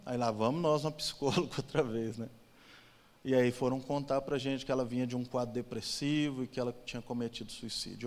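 Emotional testimony, man in a reverberant hall. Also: mid-range voice. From Brazil. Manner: emotional storytelling, swings from loud to hushed. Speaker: church testimony speaker. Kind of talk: personal testimony in church.

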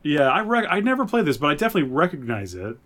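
A man's voice: a little high, big pitch swings, racing, fairly bright tone. A man co-hosting a podcast in a casual, conversational chat. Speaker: podcast co-host. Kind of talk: casual chat about movies and video games.

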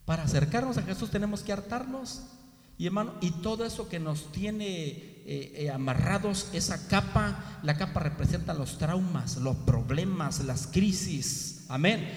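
A pastor with a high voice delivers a sermon, dropping to quiet storytelling and then rising into shouted preaching. His voice rings through a large hall with long, roomy reverb. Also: measured pace.

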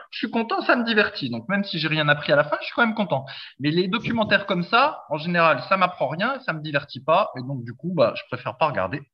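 Hesitant, rambling man on a podcast. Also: a little high. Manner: rambling, frequent hesitations and restarts. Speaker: podcast co-host. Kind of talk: casual podcast chat. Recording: dull lo-fi sound.

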